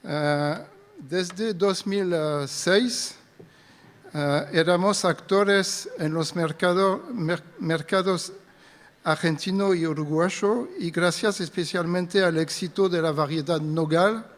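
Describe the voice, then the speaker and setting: A man's voice: high voice, takes it slowly. A middle-aged man with a French accent, speaking Spanish as a second language and giving a careful, hesitant conference talk. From France. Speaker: invited speaker, wheat breeder. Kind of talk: conference presentation. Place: conference hall. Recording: long reverb of a large hall.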